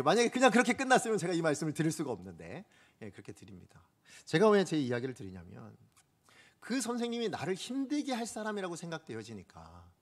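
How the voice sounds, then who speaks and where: A male pastor preaching a sermon, telling a story from his own ministry, asking the congregation questions and acting out what people said. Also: mid-range voice. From Korea. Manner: animated, asks the congregation questions; acts out quoted speech.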